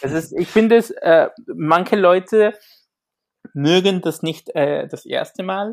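In a very clean recording with a silent background, a man with a Spanish accent speaks at a high pitch with ordinary pitch variation. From Chile. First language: Spanish (speaking German). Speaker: tea expert. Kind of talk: casual interview. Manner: halting, many fillers.

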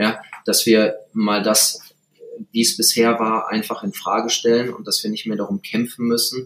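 A man at a medium pitch talks at a moderate pace with ordinary pitch variation in a normal speaking voice. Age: 30s. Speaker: couples and sex therapist. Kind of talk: interview conversation.

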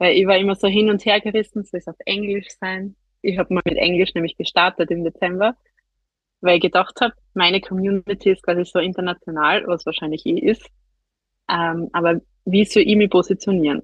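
In an Austrian accent, a woman speaks at a fairly quick pace and medium pitch with fairly even intonation. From Austria, Styria near Graz. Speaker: creative entrepreneur, lettering artist. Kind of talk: interview.

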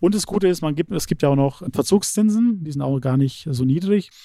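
A man's dark, mellow tone at a fairly high pitch and a fairly quick pace. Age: 30s. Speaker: P2P investor and blogger. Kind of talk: podcast interview.

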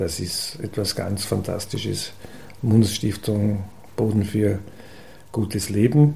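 A man with a fairly low pitch speaks at a very slow pace with long, frequent pauses, amid audible room echo and noticeable background noise. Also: ordinary pitch variation. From Austria, Lower Austria countryside and Vienna. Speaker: environmental activist and foundation co-founder. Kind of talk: interview. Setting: office.

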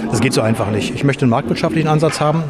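A man rattles off his words very quickly while noticeable background noise carries on. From Brandenburg, Teltow. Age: 50s. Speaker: politician. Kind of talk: campaign speech; interview.

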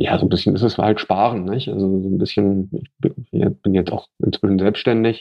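A man's fairly low voice at a moderate pace. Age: 40s. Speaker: investor and former start-up founder. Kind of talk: interview.

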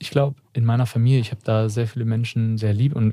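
A man speaks at a fairly quick pace in a fairly low, somewhat breathy voice with a dark, mellow tone. His intonation is flat and monotone, and the recording is very clean with a silent background. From Hamburg, northern Germany. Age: 30s. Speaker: journalist and author. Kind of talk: interview conversation.

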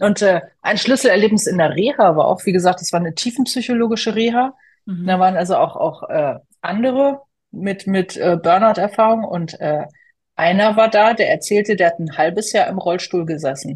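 A woman talks with lively intonation in a somewhat breathy voice. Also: medium pitch for a woman, moderate pace. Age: 40s. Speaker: self-employed podcast guest. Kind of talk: casual interview. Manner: halting.

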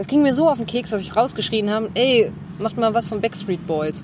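A woman's medium-pitched voice at a fairly quick pace, ordinary pitch variation, with noticeable background noise. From North Rhine-Westphalia, Germany. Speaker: podcast guest. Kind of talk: casual chat. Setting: outdoors, school yard.

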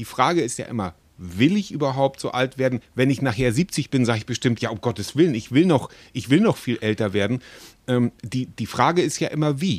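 A man with a normal speaking voice, medium pitch, lively intonation and a fairly quick pace. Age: 50s. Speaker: podcast host. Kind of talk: casual chat. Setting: video call.

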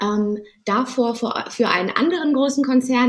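A woman talks at a moderate pace, her pitch varying in an ordinary way, while noticeable background noise plays behind her. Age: 30s. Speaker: entrepreneur and mother. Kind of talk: interview conversation. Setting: remote recording from her living room at home. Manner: many filler sounds.

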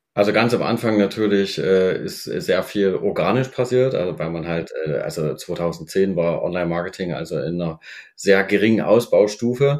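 Here is a man with a normal speaking voice, fairly low in pitch. He keeps a moderate pace and ordinary pitch variation. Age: 30s. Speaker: e-commerce marketing manager. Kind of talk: interview.

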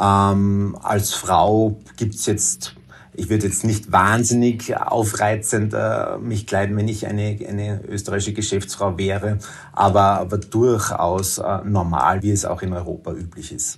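At a fairly slow pace, a man speaks in a somewhat breathy voice with a fairly low pitch. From Austria. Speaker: trade delegate and export expert. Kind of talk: interview.

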